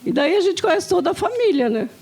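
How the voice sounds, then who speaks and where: A man's voice: very high-pitched, very animated, fast talker, a little mellow. A man from Brazil in casual chat, adding short comments to a friend's story.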